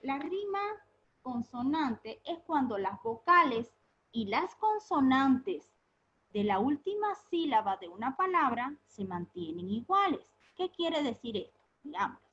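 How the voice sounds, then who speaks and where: A woman teacher giving a recorded remote lesson, patiently asking her pupils questions, answering them herself and repeating key words slowly. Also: sits high, sing-song, a bit bright, breathy edge, muffled recording.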